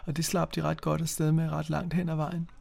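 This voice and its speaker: A man's voice: fairly high pitch, flat delivery, gravelly, darkish tone. A man in his fifties from Denmark, co-hosting a casual radio chat about music and recalling memories with frequent restarts. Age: 50s. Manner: hesitant, repeats words while recalling memories. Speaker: co-host.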